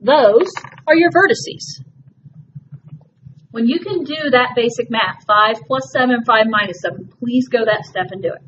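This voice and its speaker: A woman teaching a math class, talking patiently through each step and reassuring students it is not magic. Her voice sits a little high. The recording is dull and lo-fi, with a faint hiss behind her. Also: unhurried, a bit bright. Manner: patient, reassuring, walks through steps aloud. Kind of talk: classroom lesson.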